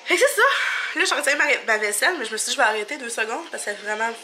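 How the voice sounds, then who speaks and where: A Québécois woman in her thirties rambles through a casual home vlog, her voice bright and a little high. She sounds slightly stuffy and sniffly, with many fillers and small laughs. A faint clatter of dishes carries from her kitchen. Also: expressive, very fast, a little hiss or hum. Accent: Québécois French. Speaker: family vlogger.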